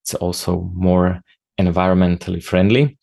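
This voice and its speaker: A man with a Slovak accent and Slovak as his first language, hosting a podcast and giving a halting, earnest presentation full of pauses. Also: low voice, steady tone, gravelly, dark tone, dry recording, clean studio sound. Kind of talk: informal spoken presentation.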